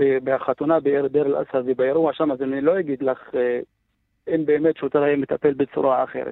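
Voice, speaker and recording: Speaking fairly quickly, a man uses a fairly high pitch and a flat, monotone intonation. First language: Arabic (speaking Hebrew). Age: 30s. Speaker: police officer. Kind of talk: radio interview.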